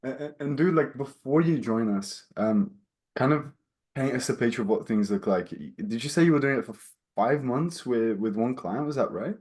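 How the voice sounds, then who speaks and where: A man's voice: mid-range voice, lively intonation, moderate pace, a little mellow. A man hosting a casual interview, chatty and friendly, asking questions loosely and swearing now and then. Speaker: interview host.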